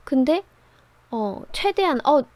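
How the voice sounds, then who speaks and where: A woman in her thirties gives a lively lecture, her fairly high voice swinging up and down as she tells stories from her own working life. She talks conversationally and laughs easily. The recording is close and dry, with no room sound. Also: slow, no room sound. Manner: animated storyteller, conversational, laughs often. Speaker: writing instructor.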